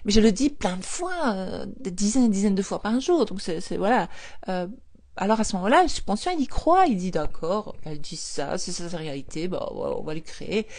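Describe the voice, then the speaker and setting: A woman coaching viewers on affirmations in a live stream. She talks in a chatty, lively way, repeats phrases, laughs often and reads viewer comments aloud. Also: medium pitch, fairly quick. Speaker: manifestation coach.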